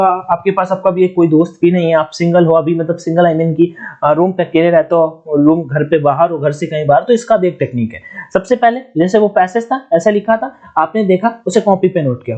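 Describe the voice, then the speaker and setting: A young man with a high but mellow voice runs a casual online exam-prep lesson. He talks in a chatty, step-by-step way and slows right down to dictate words. The audio is dull and lo-fi. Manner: chatty, explains step by step, dictates slowly letter by letter. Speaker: exam coaching teacher.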